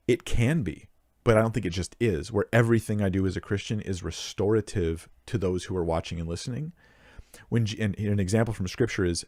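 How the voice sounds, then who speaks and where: Earnest low-voiced man answering a question. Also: warm tone, no room sound, clean studio sound. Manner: earnest, emphatic, thinks aloud with restarts and fillers. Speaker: Bible Q&A host. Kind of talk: answering a listener question to the mic. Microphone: close microphone.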